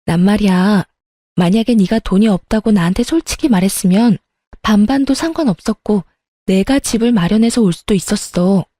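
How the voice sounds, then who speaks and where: A woman plays a sharp-tongued young woman in a narrated story, her raised voice blunt and scornful. The sound is mellow and dry, close to the mic. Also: on the high side, moderate pace, no room sound, lightly acted.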